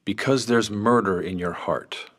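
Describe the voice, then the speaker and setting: An actor playing a seasoned, patient Catholic priest in a radio drama, a probing confessor who speaks in a grave, measured way. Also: male voice, on the low side, fairly bright tone. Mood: knowing, firm.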